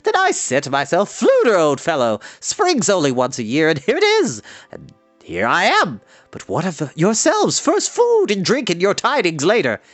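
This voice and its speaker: Man playing an exuberant high-voiced wandering bard. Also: huge pitch swings, normal speed, a bit bright, no echo, full character voice. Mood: delighted, effusive. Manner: effusive, exclaiming, bouncy. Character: exuberant, hearty wandering bard and old friend. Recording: music behind the voice.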